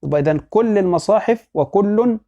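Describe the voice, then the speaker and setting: A man teaching a recorded religious lesson, explaining patiently, repeating phrases and quizzing listeners, and slowly chanting verse and poem lines. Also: sits high, lively intonation. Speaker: teacher of Quran orthography. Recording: dull lo-fi audio.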